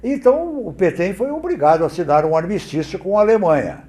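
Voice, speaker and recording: A man from Brazil, a guest on a TV talk show, demonstrating oratory in an expressive, theatrical way. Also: high-pitched, a little fast, reverberant. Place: TV studio.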